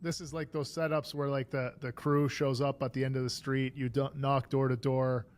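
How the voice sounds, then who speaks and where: A man's voice: mid-range voice, level tone, normal speed. A man hosting a podcast, interviewing in a conversational style. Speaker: podcast host.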